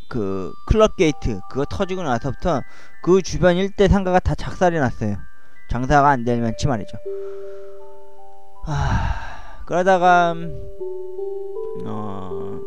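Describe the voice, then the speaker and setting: Hesitant forty-something man over music. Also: a little high. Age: 40s. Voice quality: lisping, slurred diction. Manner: slow, hesitant, with many fillers and pauses. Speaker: YouTuber. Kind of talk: personal monologue over music. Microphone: cheap microphone at home computer. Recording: music playing behind voice.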